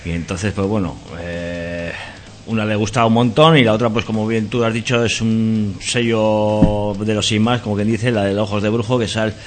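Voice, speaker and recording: Low-voiced band member, rambling. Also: male voice, little pitch movement, normal speed, slight background noise. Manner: rambling, hesitant with fillers. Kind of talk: casual interview.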